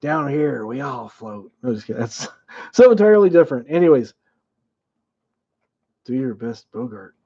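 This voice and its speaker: A man's voice: medium pitch, lively intonation, moderate pace, long pauses, dark tone, highs cut off. A man casually hosting a live-chat trivia game, chuckling often and reading viewers' names aloud.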